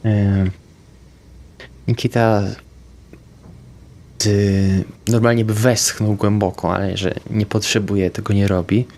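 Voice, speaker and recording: A man with a lowish voice plays a tabletop roleplaying game. He talks slowly and haltingly, casually describing what his character does. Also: level tone, darkish tone. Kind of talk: casual tabletop play, narrating own moves.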